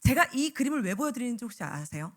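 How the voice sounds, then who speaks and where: A woman evangelist giving a lively sermon to church teachers, often acting out the voices of teachers and children. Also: on the high side, quick pace. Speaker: evangelist preacher. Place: church sanctuary.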